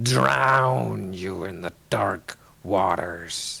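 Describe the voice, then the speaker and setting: Shouting in a put-on character voice, a man growls in a raspy, very deep, low pitch. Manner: menacing, shouting.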